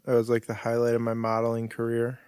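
A man's voice: medium pitch, completely flat delivery, quick pace, darkish tone, clear, resonant tone, no echo. A young man co-hosting a podcast in casual chat, rambling, swearing freely and laughing often. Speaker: podcast co-host.

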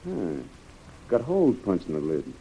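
An actor playing a steady, commanding jungle adventurer in an old radio serial. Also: male voice, low voice, slightly rough, exaggerated voice. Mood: confident, curious. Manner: brisk, authoritative. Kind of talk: 1930s radio serial acting. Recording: muffled, noisy old radio recording.

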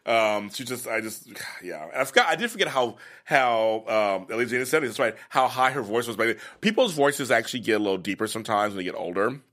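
A man in his late forties hosting a casual chat about a soap opera, chatty and quick to laugh. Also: medium pitch. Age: late 40s. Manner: chatty, laughs often, animated. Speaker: host.

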